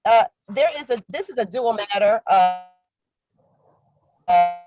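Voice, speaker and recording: A woman prosecutor speaking formally in a remote court hearing. Her voice comes through buzzy, glitchy video-call audio that keeps cutting out, and she talks haltingly with many uh fillers. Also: mid-range voice, expressive, a little mellow. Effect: buzzy glitchy video-call audio that keeps breaking up.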